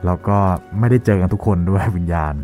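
A man chats politely as a co-host in a low voice. He talks through a face mask, and faint music plays behind him. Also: fast, mellow. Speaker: podcast co-host. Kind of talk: casual chat, polite and agreeable.

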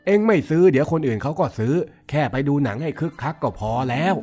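A gruff, exasperated old village uncle in a cartoon story, voiced by a man. He scolds and teases in a plain mid-range voice. A music track runs clearly behind him. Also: medium pitch, animated, fast, darkish tone, close to an everyday voice. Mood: scolding. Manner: scolding, grumbling, teasing. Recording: music bed underneath.

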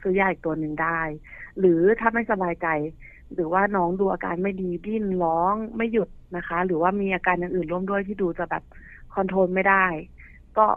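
A woman's voice: on the low side, steady tone, a little fast, no echo. A woman pharmacist guest explaining medicine plainly and reassuringly. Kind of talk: casual explanation. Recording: tinny phone-like line.

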